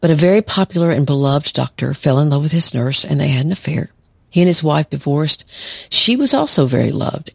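A woman's voice: low-pitched, vocal fry, husky, no room sound, clean studio sound. A middle-aged woman hosting an advice podcast, talking things through reflectively and telling stories. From southern United States. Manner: reflective, storytelling. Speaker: podcast host, therapist.

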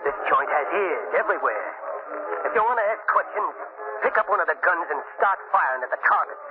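A man as a high-voiced, slangy carnival tough. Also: animated, brisk, over music, lightly acted. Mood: wary, furtive. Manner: slangy tough talk, alternating hushed confiding and barker patter. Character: wary, streetwise shooting-gallery man, furtively informing. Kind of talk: 1940s radio mystery acting. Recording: very noisy, phone-like old radio recording.

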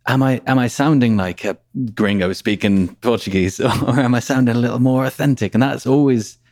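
A man's voice: mid-range voice, brisk, a little mellow, no room sound. A man, a podcast guest chatting in a laid-back, rambling way. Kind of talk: casual conversation.

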